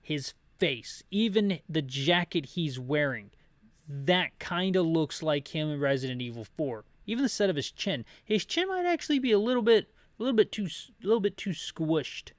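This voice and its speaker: Higher-voiced man rambling through game commentary. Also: expressive, moderate pace, no room sound. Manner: rambling, wry asides. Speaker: video game playthrough narrator. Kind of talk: descriptive commentary with casual opinions.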